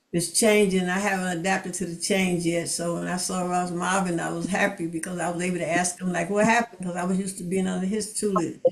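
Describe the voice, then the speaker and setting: Over noticeable background noise, a woman with a fairly low pitch rushes along at a very fast pace, in a monotone, flat delivery with hardly any pauses. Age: 80s+. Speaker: former member of a community organization. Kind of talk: casual meeting remarks.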